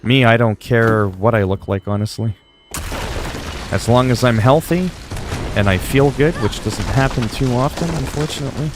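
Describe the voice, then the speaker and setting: A man in his forties chats casually on a livestream, reading viewers' messages aloud and answering them in a rambling way. His voice is medium-pitched at a moderate pace, with soft music in the background.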